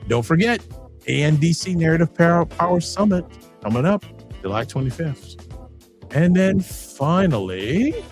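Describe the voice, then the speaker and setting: A man hosting a live-streamed talk show with a fairly high voice for a man. He talks in an animated, jokey way, stopping and restarting his sentences. Faint music plays underneath. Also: normal speed. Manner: animated, self-interrupting, jokey. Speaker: host. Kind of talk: casual live-stream chat and sign-off.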